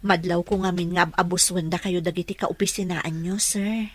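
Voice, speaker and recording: A woman with a Filipino Ilocano accent acting a gentle, deferential young caregiver in an audio drama. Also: fairly low pitch, fairly even intonation, moderate pace, husky, no echo. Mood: encouraging.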